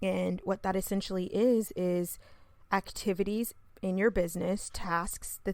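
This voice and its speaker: A woman speaks quietly at a fairly slow pace. Her pitch is medium and her intonation is monotone and flat. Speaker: podcast host and business coach. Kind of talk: solo podcast monologue. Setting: at home.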